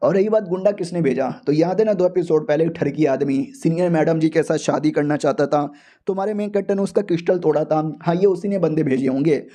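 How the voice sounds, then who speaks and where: A man's voice: on the high side, brisk, warm tone. A man narrating a comic recap, slangy and joking with his viewers as he does character voices. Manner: playful, slangy, jokey asides to viewers.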